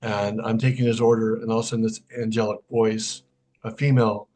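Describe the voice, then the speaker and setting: A man's voice: on the low side, level tone, brisk, a little mellow. A middle-aged man, a podcast guest, casually telling a personal story and recounting what was said in quoted dialogue. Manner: conversational, recounts events through quoted dialogue. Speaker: podcast guest, sound healer.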